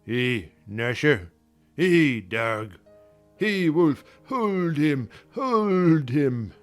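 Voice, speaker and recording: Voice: medium pitch, very animated, extremely slow, soft background music. A reader doing a bawling old servant. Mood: shouting. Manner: loud, drawling, shouting alarms. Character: ancient cantankerous male farm servant.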